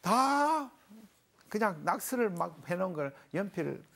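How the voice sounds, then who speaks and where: A middle-aged pastor teaches scripture to a small panel. His pitch swings widely as he works through his points. He explains old Hebrew words with homely everyday examples. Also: sing-song, measured pace, vocal fry, fairly bright tone. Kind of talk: televised Bible lecture with a panel.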